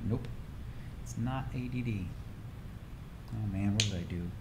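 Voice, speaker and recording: A man's voice: on the low side, a little slow, heavy background noise. A man in his forties chatting energetically and rambling while streaming a game from his home room. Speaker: poker streamer. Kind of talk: casual livestream chat.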